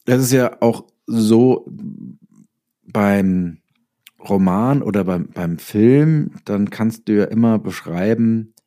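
Male writer as interview guest, low relaxed voice, explains casually through examples. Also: slow pace. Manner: explains with hypothetical examples and acted-out quotes. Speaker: interviewed writer and audio drama maker.

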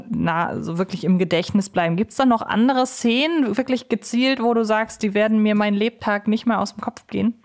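A young woman hosting a conversational interview, chatty and explanatory as she frames her questions. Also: medium pitch. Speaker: podcast host.

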